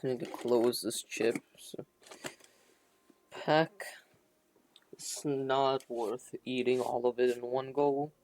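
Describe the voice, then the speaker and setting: A woman's voice: very deep voice, fairly even intonation, takes it slowly, long pauses, a little mellow, a little hiss or hum. A woman live-streaming a game, commenting casually and reading the on-screen text aloud.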